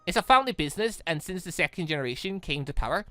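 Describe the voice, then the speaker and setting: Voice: medium pitch, lively intonation, rapid-fire, a bit bright, no room sound, close to an everyday voice. A game streamer voicing a breezy, knowledgeable female hunter who explains the world to a student in a casual, confident way. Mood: matter-of-fact. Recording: music playing under the voice.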